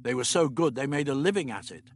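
A man's voice: medium pitch, animated, fast talker, slight background noise, natural voice. A man voicing a young male space traveller, curious and resigned in manner. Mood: questioning. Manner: resigned, questioning.

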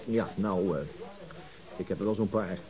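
A man's voice: sits low, normal speed, crowd noise, lightly acted. A man playing a thoughtful, methodical police detective who muses aloud in a Dutch radio drama. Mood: pondering.

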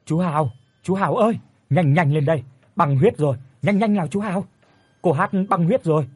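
A man's voice: fairly high pitch, expressive, normal speed, a little mellow, breathy edge, no room sound. A man voicing a frantic middle-aged village woman who delivers a baby, urgent and pleading.

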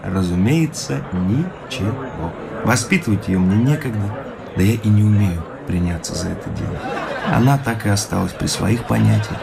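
An actor playing an earnest, idealistic young husband in a radio play, speaking sincerely and softly. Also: male voice, fairly low pitch, moderate pace, gravelly, over music, a crowd in the background. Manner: earnest, soft-spoken, sincere. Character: earnest young idealist Zhadov, recently married man.

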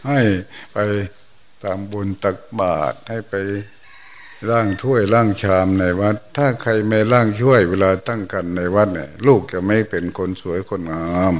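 An older man with a lilt, a monk giving a folksy, unhurried Dhamma talk. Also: lowish voice, slight background noise. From Thailand. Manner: folksy, unhurried storytelling with exclamations. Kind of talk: sermon.

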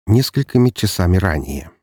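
A man narrating an audiobook in an expressive storytelling manner, recorded close to the mic. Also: sits low, normal speed, breathy edge, no room sound. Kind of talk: scripted narration.

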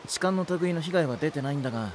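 A man's voice: on the high side, expressive, quick pace, background noise, natural voice. An actor playing a serious, protective young man in an anime audio drama. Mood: concerned, calm. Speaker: lifeguard.

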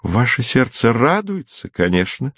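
A man's voice: mid-range voice, sing-song, a little slow, breathy edge, dry recording, voice pushed up, exaggerated voice. Man voicing a little fierce woman nurse, caustic and firm, dull lo-fi recording. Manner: sharp, caustic.

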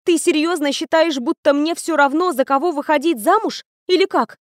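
A woman voicing a young female student mage who protests loudly and with exasperation against being married off. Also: high-pitched, moderate pace, no echo, studio quality, voice pushed up, close to an everyday voice. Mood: indignant.

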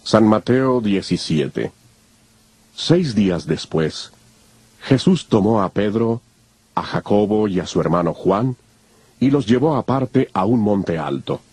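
A man narrating scripture from a script in a solemn, measured manner. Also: fairly low pitch, lively intonation, a little mellow, breathy edge.

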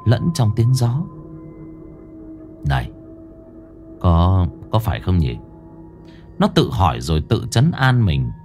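A man reading a ghost story aloud in a dramatic, expressive way. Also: mid-range voice. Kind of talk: scripted horror story narration.

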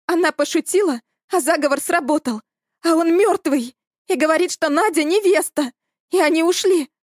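A woman's voice: high-pitched, expressive, a little fast, no room sound, clean studio sound, voice pushed up. A woman voicing a hysterical young woman whose voice trembles and breaks near tears. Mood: panicked shrill.

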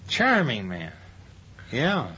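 A man's voice: medium pitch, huge pitch swings, drawn-out words, pushed and bright. An American man casually reminiscing as an interviewee. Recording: dull, noisy archive interview tape.

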